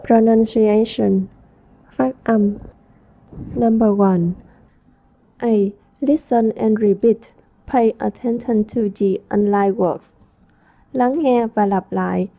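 Slow, mellow woman English teacher. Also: on the high side. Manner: slow, reads each word then translates. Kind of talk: textbook lesson walkthrough.

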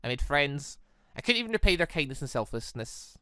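A woman's voice: low-pitched, very animated, brisk, fairly bright tone, clear, resonant tone, no echo, studio quality. A woman voicing a wounded, self-reproaching but defiant young maiden in a visual novel, brooding and dramatic. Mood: despairing.

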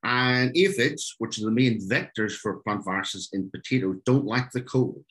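A man's voice: on the low side, moderate pace, fairly bright tone. A man from Ireland with an Irish accent, giving an earnest webinar talk with frequent fillers over a video call. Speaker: speaker.

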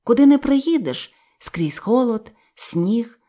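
A woman narrating a fairy tale aloud in a calm, even reading voice. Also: a little high, slow. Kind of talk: storybook narration.

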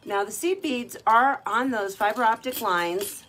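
A woman's voice: a little high, unhurried, fairly bright tone. A woman hosting a live online jewelry party, chatting and gushing over each piece as she shows it. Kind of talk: live-stream sales chat.

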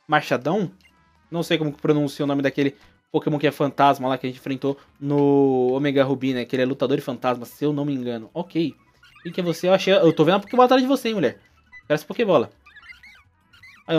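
A young Brazilian man with a Brazilian Portuguese accent, joking through playthrough commentary and talking to the game characters. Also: fairly high pitch. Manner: jokey, exclamatory, talks to the game characters. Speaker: gaming YouTuber.

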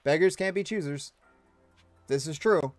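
A man's voice: on the high side, a little slow, no room sound, soft background music. A man casually commenting on his gameplay with chatty, self-mocking asides. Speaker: let's play gamer.

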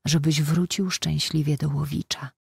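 A gentle, devout young nurse in an audiobook, as the reader voices her, compassionate but plain-spoken. The voice is husky, with a gravelly edge, recorded close and dry. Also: low voice, fairly even intonation, moderate pace, dry recording, full character voice. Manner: gentle, matter-of-fact.

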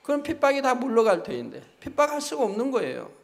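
A pastor delivering a sermon, his voice pitched high for a man. He preaches emphatically, hammering each point home with repeated tag phrases. The sound rings with the long reverb of a church sanctuary. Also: huge pitch swings, fast, vocal fry.

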